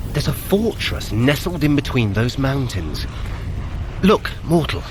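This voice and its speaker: An actor playing a sly, sardonic trickster god and mage in a scripted audio drama, with a wry, theatrical, teasing manner. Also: male voice, mid-range voice, sing-song, measured pace, noisy background. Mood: grave, watchful.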